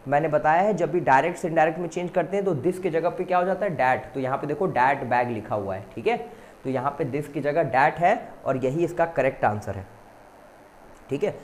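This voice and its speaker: A male teacher going through an exam-prep question paper. He reads the English questions slowly and explains quickly in Hindi, addressing students as "beta". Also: fairly high pitch, a little hiss or hum.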